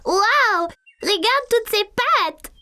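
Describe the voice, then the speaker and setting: A woman voicing a curious, excitable four-year-old boy in a dubbed cartoon, speaking with wide-eyed eagerness. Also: extremely high pitch, heavily acted. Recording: cartoon soundtrack with music beneath.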